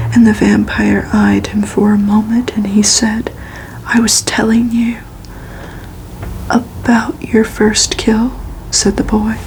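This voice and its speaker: A woman reading a story aloud in a hushed, unhurried, soothing ASMR whisper, as if for relaxation. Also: medium pitch, vocal fry, rough recording. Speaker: ASMR reader.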